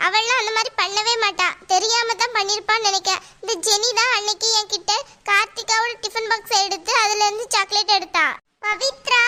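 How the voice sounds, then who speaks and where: Woman voicing an eager cartoon schoolgirl; very high, bright voice. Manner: eager, tattling. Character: chatty loyal little schoolgirl Pavithra. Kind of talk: cartoon voice acting.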